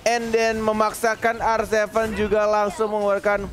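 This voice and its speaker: A man's voice: sits high, completely flat delivery, moderate pace. A man with an Indonesian accent giving emphatic esports commentary, repeating words for stress. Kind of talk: animated live game analysis. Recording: music bed under commentary. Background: background music.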